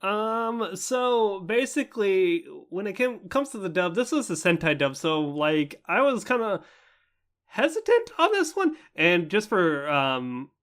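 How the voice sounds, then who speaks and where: Brief: young male podcast co-host, smooth resonant voice, a bit high, loose rambling delivery. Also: a little slow. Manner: rambling, many fillers, animated. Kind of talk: casual anime review chat.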